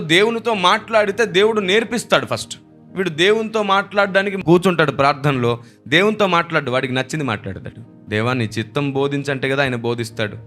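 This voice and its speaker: A man's voice: a little high, bright, forceful tone. A man preaching a sermon, emphatic and repeating phrases for stress. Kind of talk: Telugu sermon.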